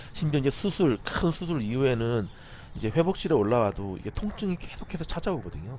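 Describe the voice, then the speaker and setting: The speech moves at a moderate pace with lively intonation. There is noticeable background noise. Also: man. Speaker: team leader presenting a shared testimonial. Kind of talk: reading a testimonial aloud with personal commentary.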